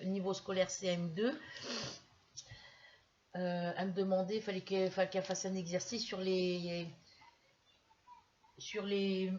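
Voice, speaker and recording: A woman's voice: fairly low pitch, darkish tone, lo-fi sound, a little hiss or hum. A middle-aged woman from France chatting casually in a haul video, hesitant and full of restarts as she shows a purchase. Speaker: craft vlogger.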